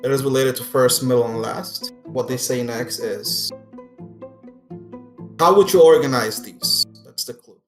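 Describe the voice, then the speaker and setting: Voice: mid-range voice, a little slow. Playful game master with background music. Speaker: game master running a puzzle. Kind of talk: casual tabletop game chat.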